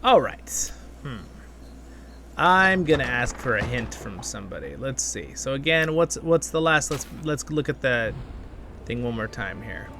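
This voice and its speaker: Animated man commentating on a game. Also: mid-range voice, unhurried, background noise. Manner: excitable, talks to himself and to viewers. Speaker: gaming channel host. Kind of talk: casual gameplay commentary, with expressive story reading.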